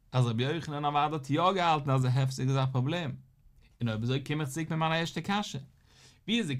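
A man, a rabbi, giving a daily Talmud lesson, posing questions and answering them in a study singsong. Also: fairly high pitch.

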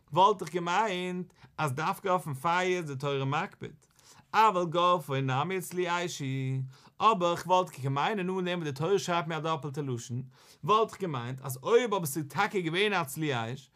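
A man, a rabbi, teaching a Talmud lesson in an animated, questioning sing-song that rises and falls. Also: on the high side.

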